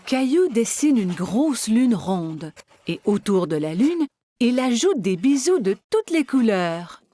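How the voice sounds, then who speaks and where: A woman's voice: fairly high pitch, very animated, slow pace, warm tone, no echo, faint music behind. A woman reading scripted narration for a children's cartoon story.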